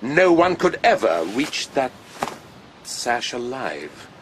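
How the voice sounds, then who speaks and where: A haughty aristocratic army officer in a radio play. He is sly and spiteful, drawling with pompous, cool sardonic polish over a noticeable low rumble of background noise. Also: big pitch swings, slow. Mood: smug. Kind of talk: radio drama acting.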